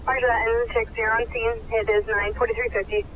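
Fast, high man dispatching over a radio. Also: level tone. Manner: clipped, reads back times by rote. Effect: heard over a radio. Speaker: fire dispatcher. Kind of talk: terse radio dispatch calls. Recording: muffled radio with static noise.

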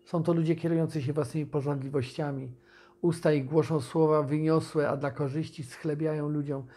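A man preaching an informal video sermon, speaking conversationally with pauses and restarts and reading scripture aloud. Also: a little high, flat delivery, warm tone.

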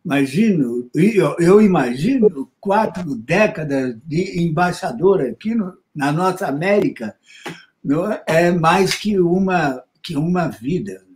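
A man in his seventies with a Brazilian accent, chatting as an interviewer in a halting, rambling way, repeating words, on a video call. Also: a little high, lively intonation, a little mellow, a little hiss or hum. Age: 70s. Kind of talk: informal interview conversation. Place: indoors in a room with bookshelves, on a video call. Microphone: video call microphone.

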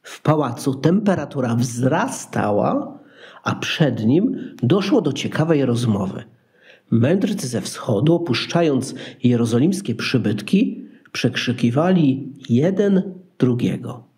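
A man narrates a scripted nativity story. His voice is mid-pitched and mellow, and he takes his time with each phrase like a storyteller. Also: sing-song, slow.

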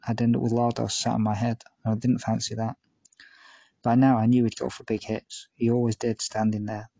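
A man's voice: fairly low pitch, warm tone, no echo. A man reading his first-person true-crime memoir aloud, telling it steadily with dry, self-aware asides. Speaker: audiobook narrator.

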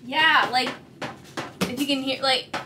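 A young woman chatting casually and playfully as a vlogger, excitable and giggly. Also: sits high, slow. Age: young adult. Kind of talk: casual, playful demonstration chat. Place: small cluttered workshop, indoors. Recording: noisy workshop camera audio.

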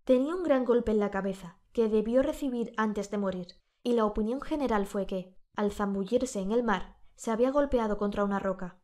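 A woman with a Spanish accent narrating an audiobook, her voice a little strained from a sore throat. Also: mid-range voice. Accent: Spain Spanish. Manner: measured, steady storytelling.

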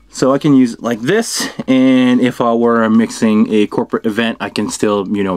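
A middle-aged video host reviews and unboxes a product in a relaxed way at a table in a small indoor studio, thinking aloud informally as he handles the gear. His voice is mid-range, and the recording has no echo.

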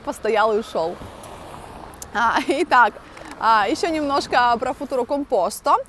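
A young woman with a slightly high voice teaches a grammar lesson outdoors at night through a wired earphone mic. She explains patiently, with frequent hesitation fillers, and drops in Italian example phrases. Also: animated, unhurried, fairly bright tone, slight background noise. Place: outdoors at night in front of a large lit monument.

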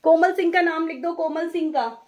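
A woman hosting a live saree sale, chatting briskly with viewers, taking bookings and calling out their names, slipping English phrases into her Hindi. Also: extremely high pitch, a little mellow, a little hiss or hum. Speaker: saree seller on live stream. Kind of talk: live-stream sales chat.

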